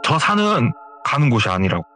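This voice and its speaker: A man voicing a stern old village man who gruffly and insistently warns others away. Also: medium pitch, very animated, a little fast, pushed and bright, soft background music. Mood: grave warning.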